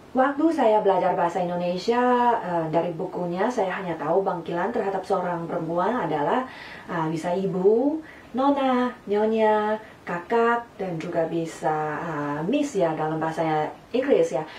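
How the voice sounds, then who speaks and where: Amid noticeable background noise and audible room echo, a woman in a Mandarin Chinese accent speaks at a medium pitch and moderate pace with lively intonation. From China, Beijing. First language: Mandarin Chinese (speaking Indonesian). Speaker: vlogger. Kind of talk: casual Q&A vlog. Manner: halting, with many fillers.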